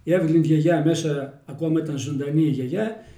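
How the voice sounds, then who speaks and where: A storyteller being interviewed tells village folk tales in a homely, folksy manner, speaking with a Kozani Greek dialect accent. His voice is mellow and dark, slightly higher than typical for a man, and the room sounds roomy and echoey.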